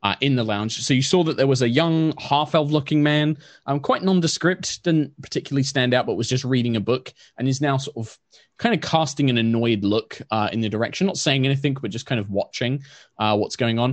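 A man narrating a tabletop game as game master, describing scenes in an unhurried way with frequent fillers. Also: mid-range voice, no room sound.

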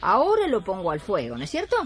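A woman's voice: mid-range voice, wildly swooping pitch, fast, slightly rough. An actress with an Argentine accent playing a patient woman cook in a radio drama, coaxing and good-humored.

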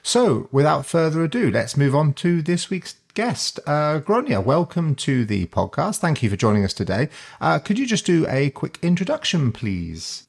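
A man's voice: a little high, very animated, normal speed, creaky, hardly any pauses, slightly rough. A man hosting a podcast, introducing his guest in a friendly, upbeat way and leading the interview with frequent fillers. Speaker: podcast host.

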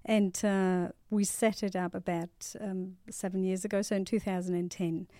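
A woman's voice: medium pitch, little pitch movement, moderate pace, dark tone, no echo, clean studio sound. A woman in her forties with a blended Spanish, Australian and English accent, a startup founder talking as a podcast guest, with many fillers and repeated phrases. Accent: mixed Spanish, Australian and English. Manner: many fillers, repeats words, says "you know, sort of". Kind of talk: casual interview talk. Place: podcast studio.

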